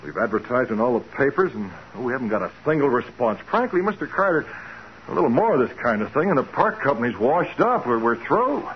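An actor playing a worried, earnest company superintendent with a folksy manner in a 1940s radio drama. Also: male voice, mid-range voice, very animated, fairly quick, natural voice. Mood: worried, discouraged. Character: worried, plain-spoken male window-cleaning company superintendent. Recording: muffled, noisy 1940s radio recording.

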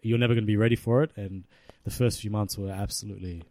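A man's voice: fairly low pitch, steady tone, fast talker, a little mellow. A man with an Australian accent chatting casually as a podcast guest, telling personal stories with easygoing jokes. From Blacktown, Australia. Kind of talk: casual chat, personal anecdotes.

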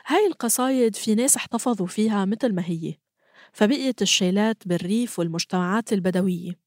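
A woman hosting a podcast, narrating from a script in a calm, explanatory way. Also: mid-range voice, quick pace, no room sound, studio quality. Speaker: podcast host.

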